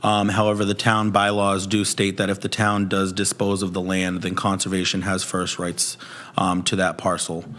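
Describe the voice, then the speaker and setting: A man from Massachusetts with a hoarse, partly lost voice, politely presenting to a public meeting in a measured way. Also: low-pitched, monotone, fairly bright tone. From Mashpee, Massachusetts, United States. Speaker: petitioner addressing a commission. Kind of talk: semi-formal public presentation. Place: town hall meeting room.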